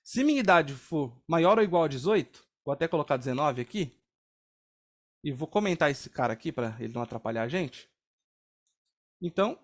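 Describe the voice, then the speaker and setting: A young Brazilian man with a Brazilian Portuguese accent teaching a live coding class, walking through each step casually and checking in with his students. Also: fairly high pitch. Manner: casual, explains step by step, frequent "tá?" and "ó". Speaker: programming instructor.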